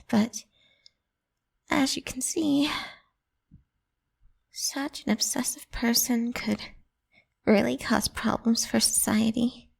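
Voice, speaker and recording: A woman's voice: on the high side, heavily acted. Woman playing a whispery, possessive lamia girl. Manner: coaxing, teasing, soft and breathy. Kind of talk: whispered ASMR roleplay.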